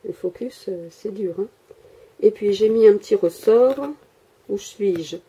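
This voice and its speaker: A woman with a mid-range, dark and slightly rough voice speaks at a measured pace while filming her handmade miniature workshop. She chats casually, rambling, hesitating often and joking about herself. The handheld camera's mic records her, and the highs are cut off.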